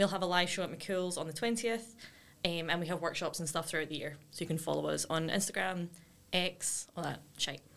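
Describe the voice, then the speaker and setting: Speaking in a Scottish accent, a woman talks at a fairly quick pace. Her voice is fairly low with fairly even intonation. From Scotland, Croy. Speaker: comedian.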